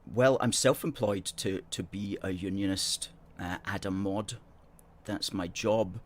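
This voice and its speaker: A man's voice: on the low side, steady tone, unhurried, slight background noise. A middle-aged man with an educated Scottish accent, hosting a livestream and replying to viewer comments in a chatty, sardonic way. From born in Hong Kong. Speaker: host.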